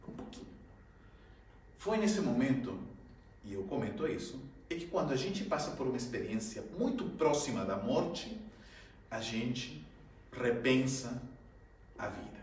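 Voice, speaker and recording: A man giving a humorous spiritist talk, acting out his own gasps and shouts and laughing often as he tells the story. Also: medium pitch, very animated, measured pace, long pauses, slight background noise. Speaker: spiritist lecturer. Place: lecture hall. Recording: very echoey hall, mic at a distance.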